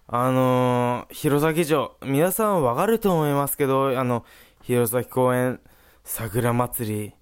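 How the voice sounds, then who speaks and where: A man from Hirosaki with a Tsugaru dialect accent, a guest chatting casually on the radio in a lodge room, halting and full of restarts. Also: medium pitch, clean tone. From Hirosaki, Aomori, Japan.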